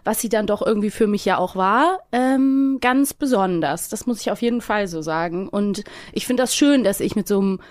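A woman's voice: medium pitch, moderate pace, hardly any pauses, no echo, clean studio sound. A woman chatting casually and emphatically as a guest on a podcast.

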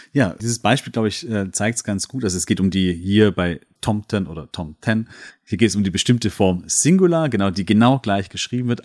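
Low-voiced man co-hosting a language podcast. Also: a little mellow, husky. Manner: explanatory, with frequent fillers and restarts. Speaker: podcast co-host. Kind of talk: conversational language lesson.

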